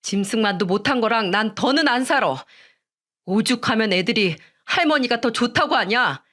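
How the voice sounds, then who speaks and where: In a storybook radio reading, a woman voices an agitated grown son who angrily shouts at and scolds his wife. Her voice is pushed up to a fairly high pitch.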